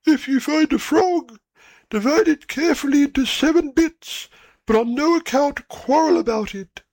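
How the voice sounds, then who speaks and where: A man voicing prim old storks in a storybook reading, in a high thin voice. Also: normal speed, gravelly, darkish tone, dry recording.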